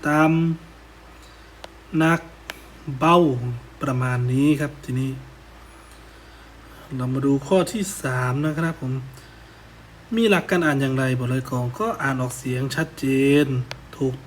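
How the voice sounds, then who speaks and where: A man's voice: mid-range voice, normal speed, long pauses, a little hiss or hum. A man teaching a worksheet answer lesson, politely ending his phrases, and reciting a poem in a lilting chant. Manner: polite, ends phrases with "ครับผม".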